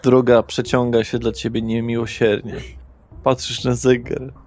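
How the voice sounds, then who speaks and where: A man's voice: medium pitch, little pitch movement, moderate pace, darkish tone. A man narrating a tabletop audio roleplay as game master.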